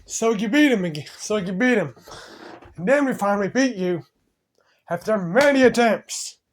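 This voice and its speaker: Man, high voice, playful, rambling, silly improvised banter for toy figures. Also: lively intonation, moderate pace. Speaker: fan video voice actor for toy figures.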